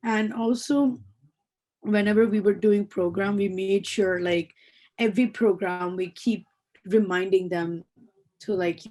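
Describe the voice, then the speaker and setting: A woman's voice: medium pitch, steady tone, unhurried, darkish tone, low-quality recording. Woman NGO worker on a video call. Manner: modest, hesitant, with fillers. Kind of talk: panel answer.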